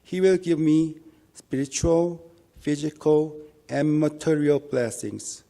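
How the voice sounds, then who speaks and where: A man with a Korean accent, a native Korean speaker, giving an earnest church testimony in English with a measured, halting delivery and small restarts. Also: a little high, gravelly, mellow. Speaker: lay minister giving testimony.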